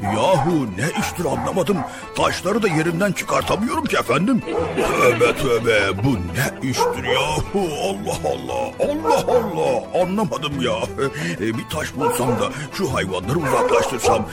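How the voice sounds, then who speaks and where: A man's voice: medium pitch, big pitch swings, unhurried, creaky, over loud music. A man playing a folksy, good-natured but easily exasperated village sage in a children's radio comedy sketch, muttering and repeating himself. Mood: flustered, annoyed.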